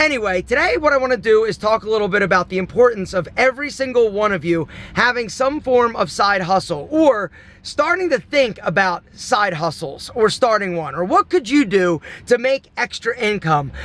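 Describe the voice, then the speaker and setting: A loud man with a high pitch and an energetic tone swings his pitch very widely at a moderate pace. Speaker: men's style YouTuber and entrepreneur. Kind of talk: casual vlog talk to camera. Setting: walking through a warehouse.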